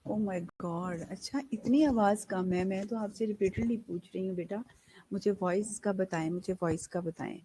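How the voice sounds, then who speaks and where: A woman nursing lecturer with a slightly hoarse throat, giving an online class in a slow, deliberate way that mixes English and Hindi. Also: medium pitch, mellow, a little hiss or hum, poor audio.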